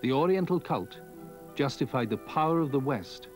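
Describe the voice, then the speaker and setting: A man giving a measured, formal scripted narration for a documentary. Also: medium pitch, lively intonation, faint music behind.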